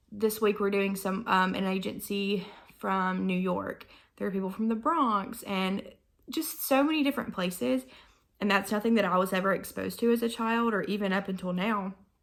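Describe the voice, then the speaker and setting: On a very clean recording with a silent background, a woman with a slight Southern US accent speaks at a medium pitch and moderate pace with ordinary pitch variation. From US South, small-town Alabama. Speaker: social work student. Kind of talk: video blog.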